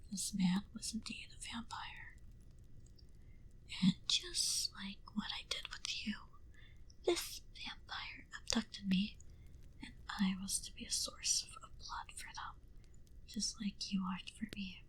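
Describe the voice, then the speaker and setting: Woman as a slowly whispering female vampire. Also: mid-range voice, very animated, fairly bright tone, low-quality recording. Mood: confiding, wistful. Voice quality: breathy, mostly unvoiced whisper. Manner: slow, intimate, confiding delivery. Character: wistful female vampire confiding her dark backstory. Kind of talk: ASMR roleplay, whispered storytelling.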